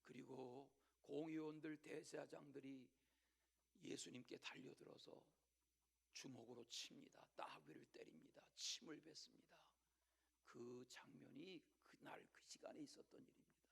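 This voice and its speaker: A male pastor delivering a Sunday sermon at a church service. He tells the story dramatically, swinging between loud declarations and hushed whispers, and makes repeated direct appeals to the congregation. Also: medium pitch, moderate pace, creaky, husky.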